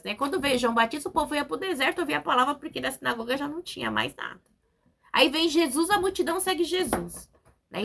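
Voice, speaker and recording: A woman's voice: fairly high pitch, sharp tone. A woman preacher giving a sermon, emphatic and repetitive, often asking her listeners to agree. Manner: emphatic, repetitive, with frequent tag questions.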